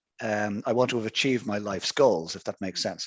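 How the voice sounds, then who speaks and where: In a Dublin accent, a man speaks at a fairly quick pace with fairly even intonation, his voice dry and close with no echo against a quiet background. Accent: Irish (Dublin). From Ireland, Dublin. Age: 50s. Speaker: entrepreneur and motivational coach. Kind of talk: podcast interview. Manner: halting, with repetitions.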